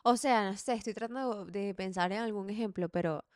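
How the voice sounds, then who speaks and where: A woman's voice: medium pitch, a little fast, no room sound, studio quality. A young Venezuelan woman co-hosting a podcast, speaking in a blunt, opinionated, casual way and laughing often. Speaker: podcast co-host. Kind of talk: casual chat.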